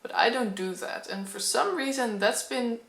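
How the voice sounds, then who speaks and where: A woman's voice: a little high, moderate pace, a bit bright. A young woman from the Netherlands with a Dutch accent, chatting candidly to a camera at home, a little nervous and with frequent ums. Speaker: book vlogger. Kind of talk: casual talking-to-camera vlog. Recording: echoey room.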